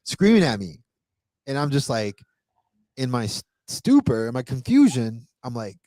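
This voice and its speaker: A man telling a rambling, profane party story as a podcast guest, in a casual animated way. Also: mid-range voice, measured pace, no room sound.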